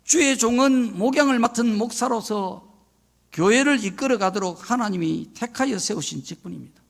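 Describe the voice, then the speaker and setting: A man's voice: high voice, animated, normal speed, gravelly. An older man, a retired senior pastor, preaching a solemn, emphatic sermon of warning.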